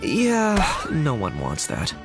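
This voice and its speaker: A man's voice: fairly high pitch, wildly swooping pitch, slow pace, loud music behind the voice, full character voice. A man voicing an easygoing, sensible young tribal warrior in a video game, speaking in a matter-of-fact, dry manner.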